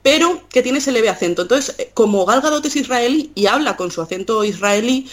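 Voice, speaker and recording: Woman podcast guest, casual comic-book chat, thoughtful, many ums and pauses. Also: fairly high pitch, lively intonation. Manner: thoughtful, hesitant with many fillers.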